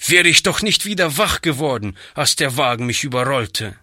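A man's voice: medium pitch, animated, moderate pace, pushed and bright, no echo, clean studio sound, voice pushed up. A man reading a storybook aloud, voicing a surly, defiant one-legged boy who grumbles bitterly. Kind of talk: audiobook reading.

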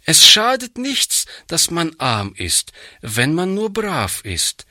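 A man's voice: a little high, wildly swooping pitch, slow, sharp tone, dry recording, studio quality, pitched above the performer's own voice, heavily acted. A man reading a storybook aloud, voicing an earnest, pious little girl who pleads eagerly. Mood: pleading, eager. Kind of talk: audiobook reading.

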